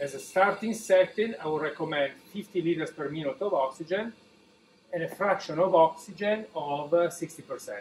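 Light background noise sits behind a man speaking at a moderate pace. His pitch is high, with ordinary variation. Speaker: clinician demonstrating equipment. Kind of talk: tutorial. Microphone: camera far.

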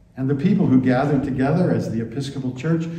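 Calm male speech at a medium pitch, with audible room echo. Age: 60s. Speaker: priest. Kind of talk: sermon. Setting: church. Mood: calm, reflective. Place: church. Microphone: camera far.

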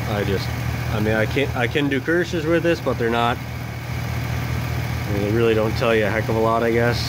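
The speech moves at a moderate pace. Noticeable background noise sits behind it. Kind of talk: tutorial. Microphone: phone near.

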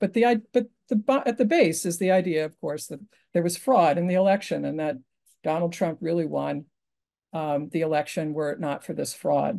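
Over a quiet background, a woman with a fairly low pitch and a dark, mellow tone speaks at a moderate pace with lively intonation. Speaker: panelist. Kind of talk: conference presentation. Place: home room. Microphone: earbuds.

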